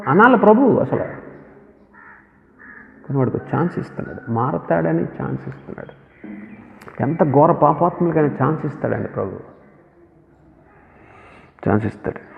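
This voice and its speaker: A man's voice: medium pitch, creaky. A man preaching a sermon, speaking with emphasis and putting questions to the listeners. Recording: echoey hall on a tinny phone-like line.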